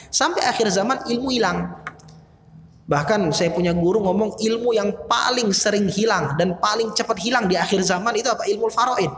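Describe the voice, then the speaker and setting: A man preaches in a relaxed, chatty way, telling stories with slangy asides. His voice rings through a large, echoey hall with a long reverb tail. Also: sits high, a little hiss or hum. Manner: conversational, lively retelling with slangy asides. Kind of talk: casual sermon storytelling.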